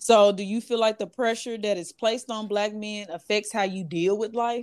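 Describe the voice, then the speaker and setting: Here a woman has a normal speaking voice at a medium pitch and a moderate pace. Her intonation is fairly even, and the recording is very clean with a silent background. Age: 20s. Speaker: podcast host. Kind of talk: casual interview.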